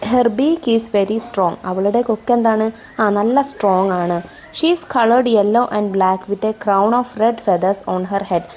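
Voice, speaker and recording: A woman teacher with a Malayali accent explaining a textbook, reading English lines slowly and then explaining them. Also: mid-range voice, a little mellow, a little hiss or hum.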